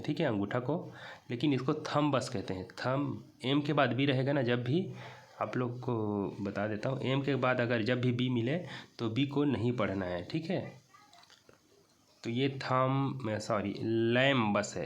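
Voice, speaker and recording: A man teaching a school English lesson, explaining a poem line by line and stretching out the English words as he reads them. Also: mid-range voice. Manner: slow and patient, reads English lines very slowly, ends points with a rising "theek hai".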